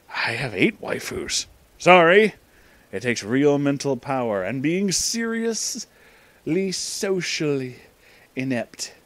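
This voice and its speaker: Animated man reading a story aloud. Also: medium pitch, no room sound. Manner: animated, amused, informal. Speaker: reader and host of a story-reading show. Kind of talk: casual comic read-aloud with asides.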